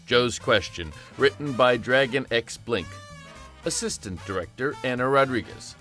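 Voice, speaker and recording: A man's voice: medium pitch, bright, forceful tone. A man reading scripted credits as the announcer of an audio drama, with guitar music behind him.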